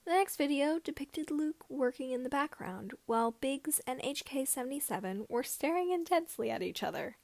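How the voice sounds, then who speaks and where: A woman reading scripted fan fiction as an amateur narrator, with slightly halting phrasing. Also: sits high, lively intonation, gravelly, a little mellow, no room sound.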